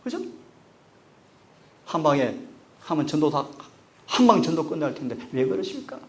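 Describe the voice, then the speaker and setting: Guy preaching a sermon, kinda high voice, gets loud then drops soft, acts out the bible bits. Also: a little fast. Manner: animated preaching, acting out dialogue with swings in pitch and loudness. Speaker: pastor.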